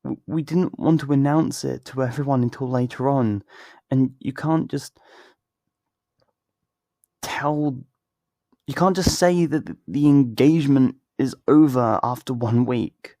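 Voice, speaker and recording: A man playing a torn, tender best friend in an intimate ASMR roleplay, speaking in a halting, emotional, pleading way. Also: medium pitch, dark tone, dry recording, close to an everyday voice. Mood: anguished, confessing. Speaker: audio roleplay voice actor.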